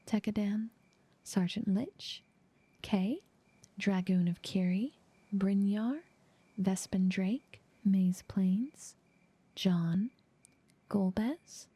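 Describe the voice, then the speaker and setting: Breathy, whispery woman ASMR creator. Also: mid-range voice, warm tone, no room sound. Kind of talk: ASMR outro reading thanks.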